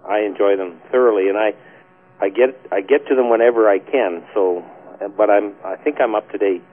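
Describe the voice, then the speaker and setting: A man's voice: lowish voice, fairly quick. A Canadian man calling in to a webcast, talking hesitantly and laughing often. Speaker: caller. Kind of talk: casual call-in chat. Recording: tinny phone-line sound.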